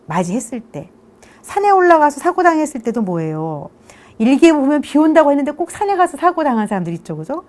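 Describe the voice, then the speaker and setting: Middle-aged woman lecturer, mellow tone, very animated intonation, chatty, keeps checking for agreement. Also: fairly high pitch. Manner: conversational, keeps asking "그죠?" for agreement; rhetorical questions, answers them herself. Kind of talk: online university lecture.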